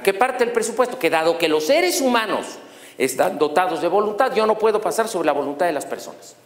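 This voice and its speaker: A middle-aged man giving a lecture on law, animated and throwing rhetorical questions at his audience. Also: sits high. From Mexico. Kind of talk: university lecture on human rights. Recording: echoey hall with long reverb.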